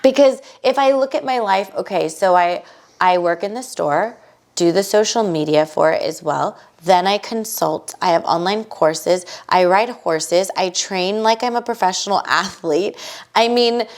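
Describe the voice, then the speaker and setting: This is an animated woman from the United States chatting as a podcast guest. Her voice sits at a middle pitch, and she speaks emphatically in quick bursts. She keeps circling back with asides and restarts. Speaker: podcast guest, bridal fashion entrepreneur. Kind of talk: casual conversational interview.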